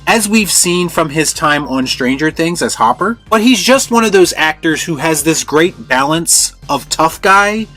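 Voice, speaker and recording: A man delivers scripted review commentary as a host. His voice sits a little high for a man, with light music playing underneath. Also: expressive, unhurried, hardly any pauses, bright, forceful tone. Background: background music.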